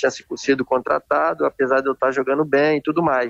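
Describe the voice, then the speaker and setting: A man speaks with a Rio de Janeiro accent at medium pitch. His intonation is monotone and flat, with a quiet background. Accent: carioca. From Rio de Janeiro, Brazil. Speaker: professional footballer. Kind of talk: radio interview. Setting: radio studio.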